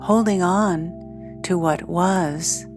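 A woman with a slightly low voice guides a meditation at a very unhurried pace. She speaks soothingly in short, measured phrases with long gaps. Clear music with singing bowl tones plays behind her. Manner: slow, soothing, measured delivery with long pauses. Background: meditation music with singing bowls.

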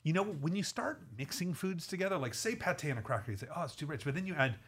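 A man's voice: on the high side, sing-song, fast, fairly bright tone, slightly rough. A man guesting on a studio podcast, explaining food and wine in a loose, chatty way with many restarts. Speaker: winery executive guest. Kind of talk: casual podcast chat.

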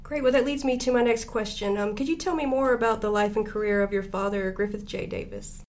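A woman hosting a history podcast, reading a clear, polite scripted intro and asking interview questions. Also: medium pitch, steady tone, brisk. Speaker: podcast host.

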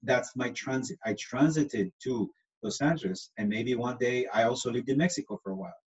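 A man's voice: mid-range voice, animated, fairly quick, darkish tone, poor audio. A man from Israel with an Israeli accent, explaining things patiently in an interview, with lots of fillers. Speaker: astrologer guest.

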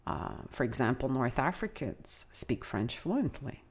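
Woman teacher, middle-aged, low easy voice, reflective interview guest. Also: big pitch swings, slightly rough. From Canada. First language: Italian. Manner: reflective, measured, frequent uh and um fillers. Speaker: adult educator, guest. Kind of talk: interview answers.

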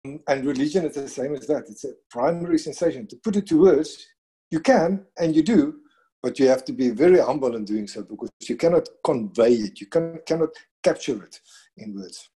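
A middle-aged man with a non-native English accent, speaking thoughtfully in a conversation, with frequent restarts and pauses. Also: mid-range voice, dark tone, breathy edge. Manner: thoughtful, halting, with many restarts. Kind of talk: conversational discussion.

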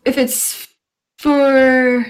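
A woman with a slightly high voice stumbles over her words, repeating and restarting as she talks. She sounds casual as she plays a tabletop game. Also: level tone, extremely slow. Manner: stammering, filler-heavy. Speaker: player. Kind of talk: casual tabletop role-play.

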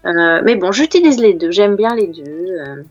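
A woman from France chatting casually as a conversation partner, explaining things patiently with lots of hesitant pauses. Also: lowish voice, sing-song, dry recording, lo-fi sound, soft background music. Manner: patient, explains words slowly with many hesitations. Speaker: native French conversation partner.

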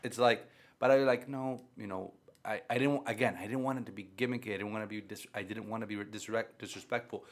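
Speaking fast in a steady tone, a Catholic priest with a voice on the low side talks casually about faith. He grew up speaking Spanish and repeats phrases for emphasis.

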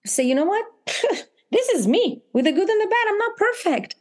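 Animated Israeli-accented woman author, mellow voice. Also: normal speed. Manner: animated, laughs often, shifts to high pitch for emphasis. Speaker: author guest. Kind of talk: interview chat.

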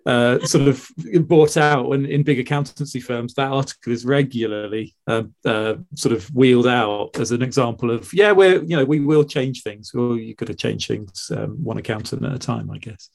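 A man interviewing a guest in a conversational style, speaking haltingly with many restarts. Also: mid-range voice, gravelly, darkish tone.

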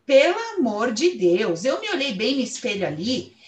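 A woman in her thirties with a Brazilian accent, giving a blunt, animated motivational talk and swearing freely. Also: on the high side, moderate pace, echoey room. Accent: Brazilian Portuguese. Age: 30s. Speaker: host and coach.

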